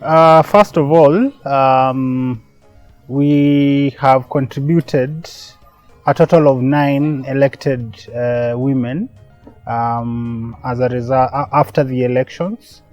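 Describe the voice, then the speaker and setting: Measured man, dull recording with music. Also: medium pitch, fairly even intonation, a little mellow. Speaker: project representative. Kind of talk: documentary interview. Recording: dull lo-fi sound, music bed. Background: background music.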